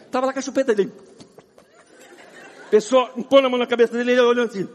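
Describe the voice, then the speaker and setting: A man with a Brazilian accent preaching a humorous sermon as a guest preacher, telling animated stories with a husky voice and sweating as he talks. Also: extremely high pitch. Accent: Brazilian Portuguese. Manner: animated, laughing storyteller. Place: large round church. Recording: long church hall reverb.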